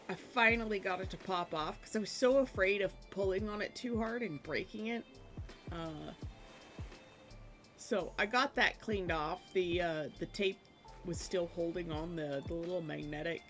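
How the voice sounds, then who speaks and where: A woman streaming a game from her room at home, chatting casually with many fillers and a slightly hoarse voice from a cough. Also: on the low side, a bit bright. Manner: chatty, rambling with many fillers, laughs often. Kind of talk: casual chat while gaming.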